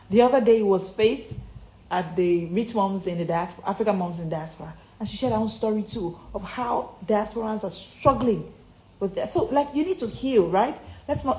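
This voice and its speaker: A woman's voice: mid-range voice, a little mellow. A woman with a Nigerian accent giving a motivational coaching talk to online followers, speaking emphatically and repeating key phrases like a preacher. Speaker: confidence and public speaking coach. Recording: echoey room with faint background noise.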